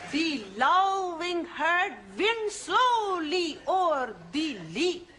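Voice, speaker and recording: An actress playing an earnest Indian student who recites English poetry haltingly, with a South Asian accent, in a sitcom. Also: female voice, sits high, fairly bright tone, heavily acted. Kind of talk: sitcom school-concert recitation. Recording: audience and faint noise behind.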